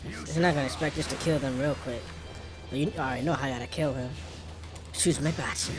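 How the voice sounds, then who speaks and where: A game streamer talks casually through the action in an African American English accent. The pitch sits in a middle range, and loud game music plays clearly behind the voice. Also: brisk. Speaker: gaming streamer. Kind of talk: casual gameplay commentary.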